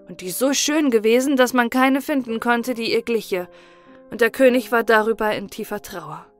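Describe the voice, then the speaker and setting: A woman narrates a fairy-tale audiobook in a calm, measured way. Her voice sits a little high. Faint music runs beneath the reading.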